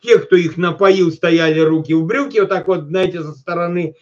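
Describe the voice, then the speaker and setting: Steady and a little mellow, this male preacher's fairly high voice is heard on a dull lo-fi recording of a sermon. He reads scripture slowly, stops to talk directly to listeners, and then rushes ahead with quick, everyday asides.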